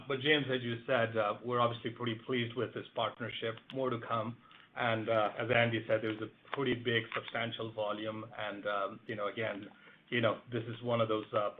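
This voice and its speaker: A man speaks as a company executive on an earnings call. The sound is phone-like, with light noise underneath. His answers are measured and dotted with small check-in tags like "you know" and "right". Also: fairly low pitch. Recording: tinny phone conference line with noise.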